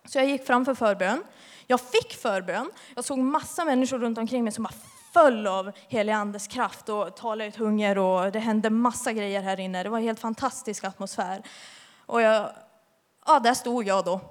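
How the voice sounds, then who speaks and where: A youth leader, a young woman with a voice on the high side, gives a chatty, lively church testimony and laughs often. She is speaking in a reverberant church hall.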